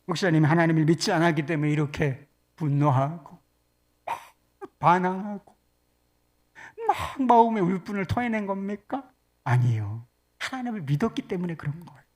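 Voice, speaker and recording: A woman pastor preaching in a conversational, animated way, moving between soft and loud. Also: lowish voice, moderate pace. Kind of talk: sermon.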